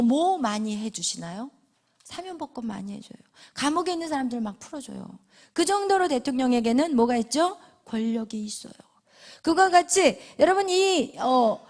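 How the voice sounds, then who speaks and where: High-voiced woman pastor preaching, dramatic whispers. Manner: asks the congregation questions, then answers them in a hushed whisper; emphatic, with sudden loud rises. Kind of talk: sermon.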